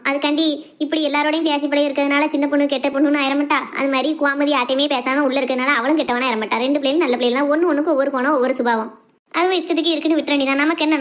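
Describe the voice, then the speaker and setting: A woman plays an elderly, easygoing cartoon aunt from a southern Tamil Nadu village, with that regional accent. She soothes and reasons in a high voice at a racing pace. The recording is slightly lo-fi. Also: lightly acted. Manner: placating, philosophical. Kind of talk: cartoon comedy drama dialogue.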